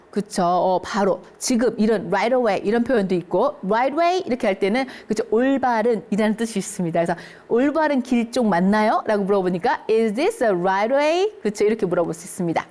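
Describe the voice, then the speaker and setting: A woman with a slightly high voice leads an English lesson for seniors. She pronounces each English phrase slowly and carefully. Between phrases she checks in with her listeners in an encouraging tone. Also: darkish tone. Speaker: English teacher.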